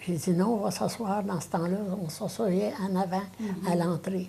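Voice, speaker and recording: Someone speaks in a Quebec accent at a fairly slow pace with ordinary pitch variation. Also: woman. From Quebec, Drummondville area. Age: 80s+. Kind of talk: interview answer.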